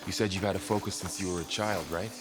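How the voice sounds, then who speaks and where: An actor playing an earnest, loyal tribal warrior in a video game, plain-spoken and a little cautious. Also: male voice, low-pitched, steady tone, fast talker, music in the background, natural voice. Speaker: game companion character. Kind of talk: naturalistic video game cutscene acting.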